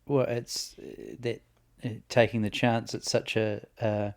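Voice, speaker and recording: Casting: male podcast host, gravelly voice, relaxed encouraging interviewer. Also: lowish voice, unhurried. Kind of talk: casual interview.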